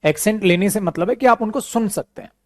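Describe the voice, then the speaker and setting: A man's voice: high-pitched, brisk, no echo, clean studio sound. A man teaching a live spoken English class, chatty and repetitive, calling his students "beta". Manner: addresses students as beta, repeats himself, chatty and animated.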